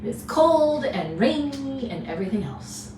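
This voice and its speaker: A woman's voice: fairly high pitch, very animated, normal speed. A woman co-hosting a casual chat show, chatty and teasing, laughing easily. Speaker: co-host, real estate agent. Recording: echoey room, mic at a distance, faint hiss.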